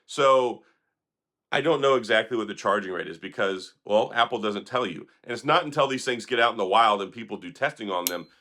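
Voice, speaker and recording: A hoarse man, sick for days, hosting an opinionated tech commentary vlog in a sarcastic, critical, rambling manner. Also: on the low side, brisk, sharp tone. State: hoarse, recovering from illness. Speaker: tech video host.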